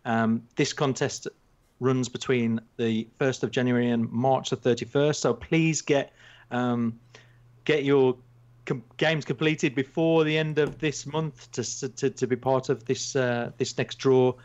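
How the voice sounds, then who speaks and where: A male podcast host with a Black Country accent and an average-pitched voice. He chats casually and rambles along with jokey self-mockery. The sound is a little lo-fi and muffled. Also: steady tone, measured pace, darkish tone. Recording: slightly dull, lo-fi sound.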